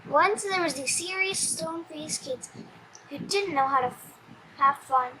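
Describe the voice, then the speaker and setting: A child reading a comic storybook aloud in an animated, slightly stumbling way. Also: very high voice, measured pace, noisy background.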